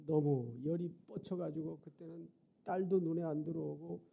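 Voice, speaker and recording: A middle-aged man preaching a storytelling sermon, swinging dramatically from hushed to loud. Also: fairly high pitch, fairly even intonation, moderate pace, creaky, husky, dull audio. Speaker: revival preacher.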